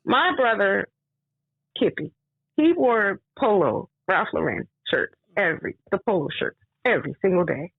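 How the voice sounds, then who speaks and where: A woman author with a hoarse voice, talking casually in an interview and getting animated when she stresses a point. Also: a little slow, no echo. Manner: animated, rising pitch when emphatic. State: hoarse from screaming. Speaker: author guest. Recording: tinny phone line.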